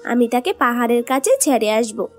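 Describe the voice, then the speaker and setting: Woman playing a high-voiced, snappish selfish mother bird. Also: moderate pace, darkish tone, soft background music, lightly acted. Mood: resentful. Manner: whiny, snappish, dismissive. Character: selfish, sulky mother bird who wants a son. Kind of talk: children's cartoon acting.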